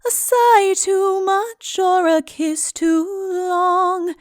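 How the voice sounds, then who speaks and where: Woman performing a very high, mournful ballad singer. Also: no echo, clean studio sound, full character voice. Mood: sorrowful. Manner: mournful, drawn-out lilting delivery. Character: sweet-voiced female singer of sad old ballads. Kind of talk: slow sung ballad.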